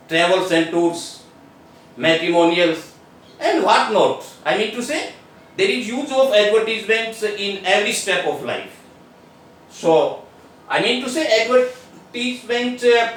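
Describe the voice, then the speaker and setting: Male teacher, high-pitched and earnest, heard from a distance in a very echoey room with faint noise. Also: fairly bright tone. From India. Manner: earnest, repetitive, addresses students often, hesitant fillers. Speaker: English teacher. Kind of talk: video lesson.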